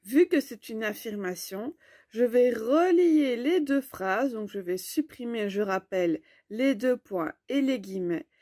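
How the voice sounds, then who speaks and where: A woman teaching a grammar lesson in a slow, clear, explanatory way. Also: on the high side, animated, dark tone, no echo, clean studio sound.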